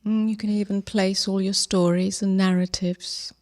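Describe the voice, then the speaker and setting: A woman leading a guided meditation as a teacher, gentle and unhurried, with long pauses and soft, breathy phrase endings. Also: medium pitch, little pitch movement.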